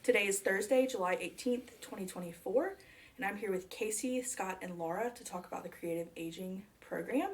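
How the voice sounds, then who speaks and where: A woman's voice: mid-range voice, a little fast. Woman librarian conducting an interview. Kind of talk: oral history interview.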